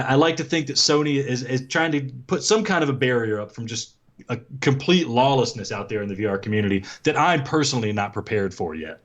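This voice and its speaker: Male guest with a deep voice, musing and modest, restarting his sentences. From South Dakota. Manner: thoughtful, self-deprecating, frequent restarts. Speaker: podcast guest. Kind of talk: casual chat.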